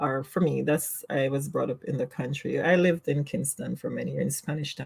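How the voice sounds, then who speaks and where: A woman with a Jamaican accent talks at a fairly quick pace. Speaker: livestreamer. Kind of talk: casual chat. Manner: loud.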